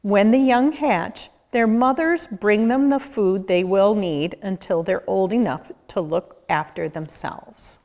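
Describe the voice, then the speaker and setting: A woman reading a children's book aloud, expressively and deliberately, as a nature educator speaking to young listeners. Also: mid-range voice, darkish tone. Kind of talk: children's read-aloud narration. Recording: echoey, reverberant room.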